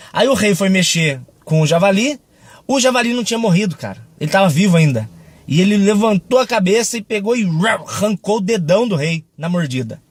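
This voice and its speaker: A man's voice: high voice, dry recording. A young Brazilian man giving a casual devotional talk, chatty and joking as he tells a story and acts out its quotes. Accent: Brazilian Portuguese. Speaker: Christian video preacher.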